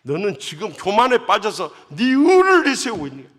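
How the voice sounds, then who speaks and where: A man booming as a stern rebuking God. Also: wildly swooping pitch, a little fast, full character voice. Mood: thundering rebuke. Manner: thundering rebuke, rising to shouts. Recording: long church hall reverb.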